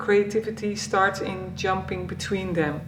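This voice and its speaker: Noticeable background noise and audible room echo surround the recording. A woman of medium pitch speaks at a very slow pace. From Netherlands, Amsterdam. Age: 30s. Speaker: artist. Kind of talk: interview. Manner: hesitant, frequent fillers.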